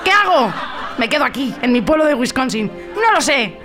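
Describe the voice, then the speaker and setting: A woman's voice: high-pitched, sing-song, normal speed, over music, a crowd in the background. A woman from voicing a bored, bitter farm wife who mocks her family in a crude, melodramatic inner monologue. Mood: torn. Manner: crude, mocking inner monologue full of swearing.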